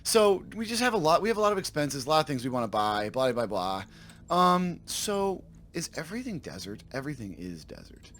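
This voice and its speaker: A man with a slightly raspy voice from a sore throat, casually commenting on his game for viewers and thinking aloud as he corrects himself. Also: fairly high pitch, big pitch swings, fairly quick, a bit bright. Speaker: let's play host.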